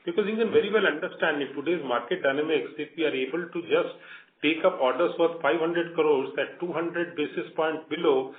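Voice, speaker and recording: Indian guy exec on earnings call, talks fast, kinda high voice, repeats himself for emphasis. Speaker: company executive. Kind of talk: answering questions on an earnings call. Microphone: conference call phone. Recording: echoey, tinny conference phone line.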